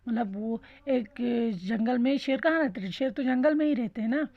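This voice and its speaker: A woman's voice: high voice, normal speed, dry recording. A woman schoolteacher giving an online lesson to young children. She explains simply, repeats herself, and keeps checking in with "theek hai" while asking questions and answering them herself. The recording is dull and lo-fi.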